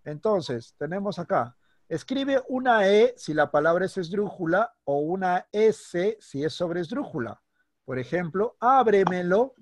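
A man's voice: sits high, animated, no echo. Patient male teacher with a dry sound. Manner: patient, checks in constantly with short questions; slows down and stresses words when explaining. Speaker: primary school teacher. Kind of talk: online class lesson. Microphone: computer mic on a video call.

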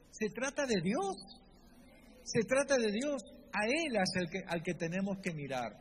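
In church, a high-voiced man preaches a sermon, quoting scripture with feeling and emphatically repeating key phrases. The recording has the reverb of a church hall, faint ambience, and slight background noise.

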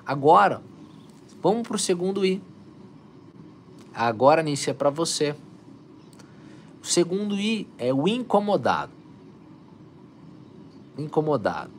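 Energetic man exhorting viewers. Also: on the high side, slight background noise. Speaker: live stream host, coach. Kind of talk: motivational live stream.

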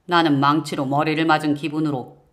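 A man narrating a first-person horror-mystery audiobook in a measured, suspenseful way. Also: a little high, level tone, fairly bright tone.

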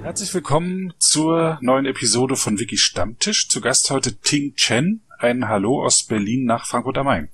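A man's voice: medium pitch, lively intonation, normal speed, few pauses, fairly bright tone, slightly rough, faint music behind. A man hosting a podcast interview, friendly and direct with his questions. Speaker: podcast host. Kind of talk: casual interview. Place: Berlin.

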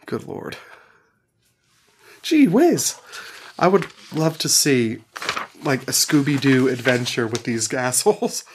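A man's voice: medium pitch, very animated, slow, pauses often, background noise. Stammering, giggly man. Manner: stammering, giggly, self-interrupting. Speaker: tabletop game player. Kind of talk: casual banter at a recording session.

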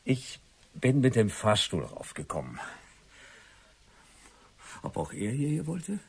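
An actor playing an inquisitive, wry writer turned amateur detective, musing and ironic, in a German radio crime drama. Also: male voice, medium pitch, huge pitch swings, slow pace, creaky, darkish tone, husky, full character voice.

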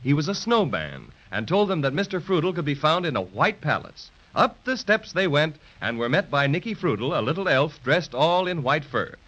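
A man narrating a children's radio story in a gentle storyteller's manner. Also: a little high, very animated, moderate pace, few pauses. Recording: dull lo-fi 1930s radio transcription.

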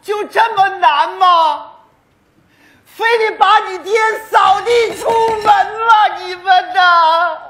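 Stubborn indignant old dad. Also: male voice, very high-pitched, lively intonation, measured pace, sharp tone, full character voice. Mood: aggrieved. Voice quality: grumbling, sarcastic. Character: stubborn old widowed father, touchy and indignant. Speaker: sketch actor. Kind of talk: stage comedy sketch. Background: audience laughter.

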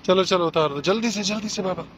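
A man's voice: high voice, fast, fairly bright tone. A young man, vlogging at an outdoor park and coaxing his child along in a playful, encouraging way. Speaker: vlogger father. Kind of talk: casual vlog chat. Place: outdoor amusement park by a lake. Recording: muffled outdoor recording with noise.

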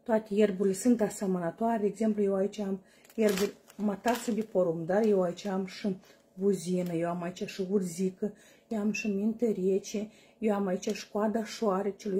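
A woman's voice: mid-range voice, dark tone, slight background noise. A woman hosting a home cooking channel, chatting casually as she shows a herbal tea, often asking herself questions aloud and answering them. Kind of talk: casual kitchen demonstration.

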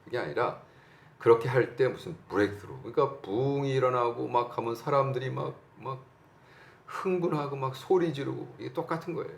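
Middle-aged Korean pastor, lively gravelly sermon delivery with roomy echo, emphatic. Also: male voice, mid-range voice, a little fast. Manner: animated, emphatic, shouts out bursts and acts out quotes.

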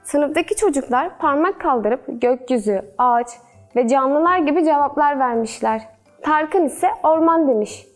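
High-voiced woman telling a fairy tale. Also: expressive, moderate pace, faint music behind. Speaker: storyteller. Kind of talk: children's fairy tale reading.

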